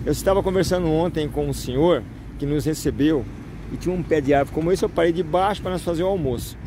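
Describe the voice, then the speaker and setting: A man's very fast speech with ordinary pitch variation, dry with no echo, over noticeable background noise. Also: fairly high pitch for a man. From Brazil. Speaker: travel vlogger. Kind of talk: travel vlog narration. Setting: outdoors. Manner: animated. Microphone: phone near.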